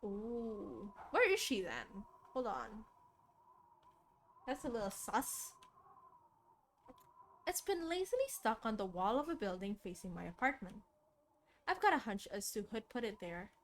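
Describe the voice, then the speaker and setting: A woman game streamer reading a visual novel aloud in an expressive, dramatic storytelling style. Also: medium pitch, a little slow, long pauses, a little hiss or hum. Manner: expressive, dramatic read-aloud with casual asides. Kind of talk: soft storytelling narration. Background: game music.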